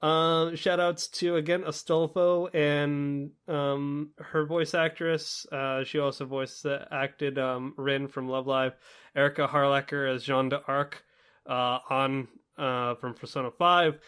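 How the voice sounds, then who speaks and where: A man's voice: a little high, slow, clean tone. A man hosting a casual podcast discussion, acting out his own reactions as he talks. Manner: animated, acts out his own reactions in quotes. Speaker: podcast host.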